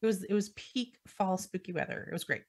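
A woman co-hosting a podcast in casual chat, explaining things in a steady, knowledgeable way. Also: mid-range voice, brisk. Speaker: podcast co-host.

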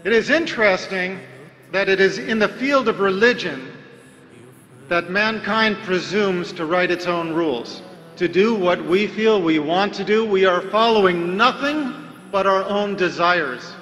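A man giving a deliberate, emphatic religious lecture full of rhetorical questions. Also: sits high, a bit bright, in a large hall. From United States. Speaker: Islamic preacher.

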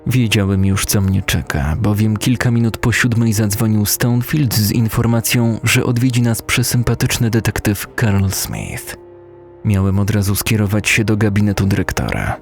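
A man's voice: fairly low pitch, gravelly. A man reading a scripted horror story as a narrator, close to a studio microphone. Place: recording studio.

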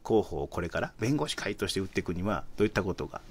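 A man's voice: low voice, big pitch swings, racing, slight background noise. A man with a Kansai accent, a guest lawyer interviewing the host in casual chat, teasing and chuckling. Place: radio studio.

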